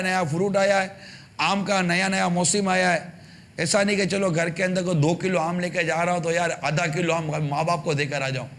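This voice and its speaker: Male TV preacher, high-pitched, emphatic and repetitive, full of rhetorical questions. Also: a bit bright. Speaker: religious preacher on TV channel. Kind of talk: television sermon addressing parents.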